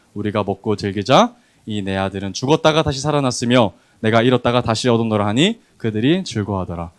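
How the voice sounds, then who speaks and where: A man preaching a sermon, acting out the quoted voices with animated emphasis. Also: mid-range voice, clean tone. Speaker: pastor.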